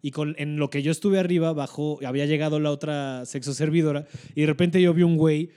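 Fast-talking Mexican man, crude casual banter. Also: a little high, fairly even intonation, warm tone. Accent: Mexican Spanish. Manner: crude, joking storyteller. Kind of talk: casual chat.

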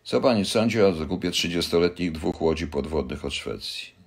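Low-voiced older man chatting loosely. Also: lively intonation, moderate pace, gravelly, slightly rough. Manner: rambling, joking, addresses viewers directly. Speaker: livestream host answering viewers. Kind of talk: casual live chat.

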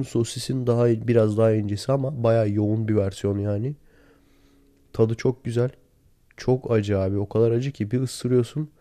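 Man, hoarse sick voice, low, flat melody, casual podcast chat, weary. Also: no echo. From Turkey. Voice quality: hoarse, worn-out voice. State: sick and tired, lost voice. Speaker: podcast host. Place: in bed at home. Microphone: handheld voice recorder, close.

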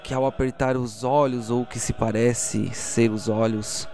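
A man narrating as game master, telling the story solemnly and deliberately, with dramatic pauses. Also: mid-range voice, level tone, darkish tone, soft background music.

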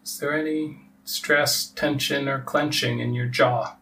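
A man leading a guided relaxation meditation as a teacher, giving soft instructions with long pauses. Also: medium pitch, steady tone, creaky. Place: live group meditation session. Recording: distant mic with faint background noise.

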